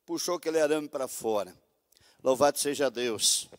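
A man giving a fervent testimony as a pastor in a Pentecostal church service, moving from hushed storytelling to loud exclamations of praise. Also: mid-range voice, normal speed, no echo, in a large hall.

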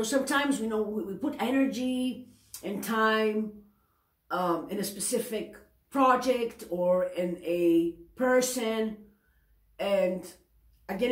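A woman's voice: mid-range voice, roomy sound. A woman in her forties with a Greek accent, giving a tarot reading to camera in a chatty, self-correcting way and often checking in with the viewer. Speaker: tarot reader. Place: indoor room at a table.

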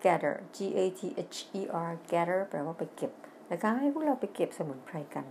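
In a TV English lesson, a middle-aged Thai-accented woman reads a children's story aloud line by line, spelling out words letter by letter and quickly explaining them in Thai after reading each English line slowly and loudly. Her voice is lowish and sing-song, and there's slight background noise.

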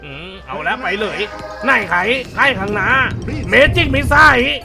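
A man's voice: extremely high pitch, lively intonation, a little fast, over music. A man voicing a boastful Indian wizard, speaking in a mock Indian-accented manner and chanting spells. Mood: cocky.

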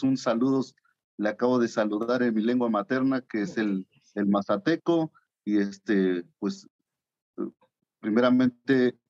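A man's voice: medium pitch, a little mellow, lo-fi sound. A man in his thirties from Oaxaca, answering interview questions in a hesitant way, with many fillers, over a video call from his studio. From Oaxaca, Mexico. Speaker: guest artist. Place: home art studio.

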